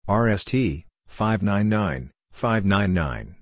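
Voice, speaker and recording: A man with a low, deep voice reads brief phrases for a code lesson, each a separate burst, often repeated. The sound is dry and close, with no room around it. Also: expressive, takes it slowly, dry recording. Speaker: Morse code practice reader. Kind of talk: slow scripted reading of phrases.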